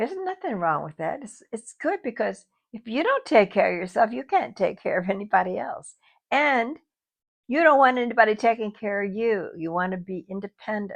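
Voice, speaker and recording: A woman speaks at a moderate pace in a fairly high pitch. Her pitch swings very widely. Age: 80s+. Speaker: vlogger. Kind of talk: casual talk to camera. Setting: home, squishy chair. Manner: chatty.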